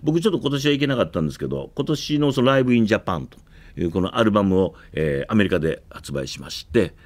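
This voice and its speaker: A man's voice: lowish voice, sing-song, fast talker, darkish tone. Middle-aged male host, Kansai accent, very varied intonation, conversational studio radio. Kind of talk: casual radio chat.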